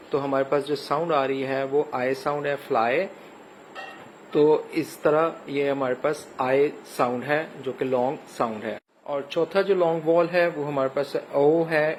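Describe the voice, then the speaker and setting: A man with a Pakistani accent teaching an English lesson, spelling words letter by letter and pausing with frequent hesitations. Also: a little high, slight background noise, poor audio. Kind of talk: recorded classroom lecture.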